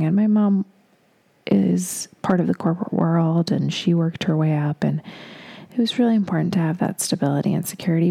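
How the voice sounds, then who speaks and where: A woman's voice: on the low side, creaky, mellow, breathy edge. A young woman who spoke Russian first, hosting her own podcast and rambling chattily about her life. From Moldova. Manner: chatty and rambling, with frequent likes and you-knows. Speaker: podcast host, makeup artist. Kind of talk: casual solo podcast monologue.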